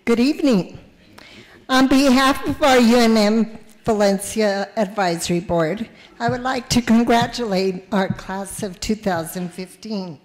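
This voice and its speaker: A woman's voice: fairly high pitch, unhurried. A woman from an advisory board giving a formal, congratulatory greeting speech. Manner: warm, congratulatory. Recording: long hall reverb.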